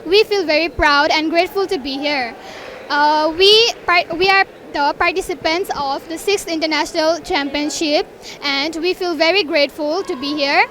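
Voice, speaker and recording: A young woman from Nepal, a karate athlete, giving a halting thank-you statement with fillers and restarts. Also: high-pitched, a bit bright. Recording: faint background noise.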